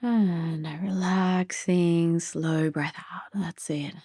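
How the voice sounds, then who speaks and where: A woman leads a sleep meditation with a mellow, relaxed voice. Her delivery is very slow, gentle and soft, often easing toward a breathy near-whisper. The sound is close and dry. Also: lowish voice, dry recording. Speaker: meditation guide.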